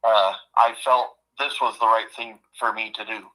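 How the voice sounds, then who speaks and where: A man of fifty telling a heartfelt personal story in a halting way, often repeating himself. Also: on the low side, steady tone, sharp tone, poor audio. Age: 50s. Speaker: guest.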